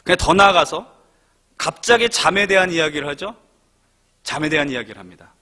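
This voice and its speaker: A young man preaches a sermon in a church, high-pitched and animated, swinging his voice up and down. His tone is bright and slightly husky, and he rattles along at a quick clip, firing rhetorical questions at the congregation. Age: young adult. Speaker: pastor. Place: church sanctuary.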